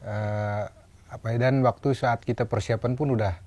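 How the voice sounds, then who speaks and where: A man talking as an actor about his role, relaxed and hesitant, often searching for words. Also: fairly low pitch, moderate pace. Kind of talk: casual discussion.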